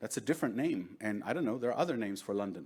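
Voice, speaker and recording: Against a quiet background, the speaker talks with an Israeli accent. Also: man. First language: Hebrew. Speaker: workshop instructor; conference presenter. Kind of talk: lecture. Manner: conversational, frequent fillers. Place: hall.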